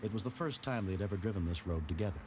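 A man's voice: sits low, quick pace. A man giving scripted documentary narration in a dramatic manner. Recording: loud background noise.

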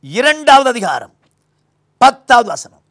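An older man with a Tamil accent preaching a sermon from a small indoor studio on a lapel mic, swinging between loud emphasis and low quiet lines. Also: sing-song, measured pace. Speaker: pastor.

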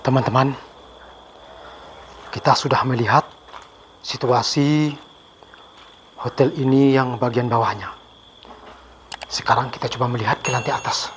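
A man's voice: mid-range voice, fairly even intonation, measured pace, long pauses. A middle-aged man narrating to viewers while exploring an abandoned overgrown building at night, on a handheld camera. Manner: addresses viewers, calls out loudly to spirits. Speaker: ghost-hunting vlogger. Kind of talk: hushed exploring commentary. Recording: faint night insect noise. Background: crickets and insects.

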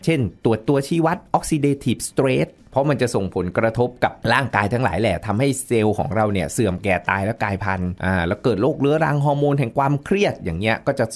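A man's voice: mid-range voice, expressive, quick pace, few pauses. Man explaining health in casual lecture. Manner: casual, lecturing, mixes in English terms. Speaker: nutrition expert guest. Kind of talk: explanatory interview talk.

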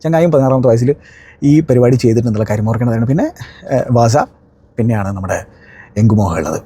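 A man's voice: mid-range voice, quick pace, mellow, breathy edge. A man reviewing a football match in a conversational analyst style, breaking into emphatic exclamations.

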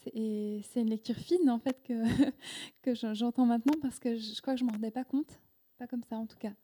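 A woman in her thirties whose first language is Korean, answering interview questions at a live event into a handheld mic, thoughtful and halting with frequent restarts. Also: fairly high pitch, steady tone, dark tone, slight background noise. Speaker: guest author. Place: indoor event room with audience. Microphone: handheld microphone.

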